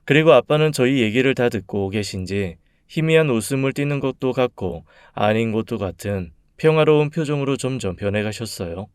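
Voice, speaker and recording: A man narrating a read-aloud personal story in a calm, measured, soft-spoken way. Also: medium pitch, smooth, no echo, clean studio sound.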